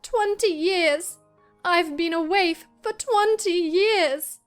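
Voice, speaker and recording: A ghost girl at the window, sobbing her pleas in a very high, thin voice. She draws every word out slowly and mournfully, with faint music underneath the radio-play reading. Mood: pleading wail. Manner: slow mournful pleading.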